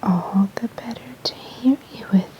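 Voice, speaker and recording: A woman's voice: fairly high pitch, measured pace, highs cut off, lightly acted. A woman whispering the part of a cunning male wolf pretending to be a sick grandmother, sly and coaxing. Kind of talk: ASMR storybook reading.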